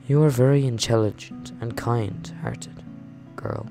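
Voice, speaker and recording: A man voicing a gentle, fond French man in a visual novel, speaking tenderly. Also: mid-range voice, measured pace, natural voice. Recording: music behind the voice.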